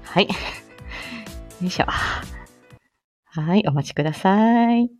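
A woman's voice: mid-range voice, animated, takes it slowly, mellow, faint music behind. A woman hosting her weekly morning live stream as a speech therapist, chatting in a flustered way with many fillers and little laughs. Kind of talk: casual solo live stream.

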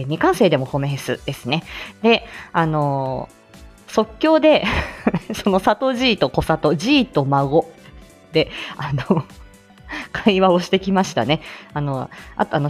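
A woman who is a speech-language therapist hosts a casual live stream, chatting with many fillers and frequent laughs. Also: lowish voice.

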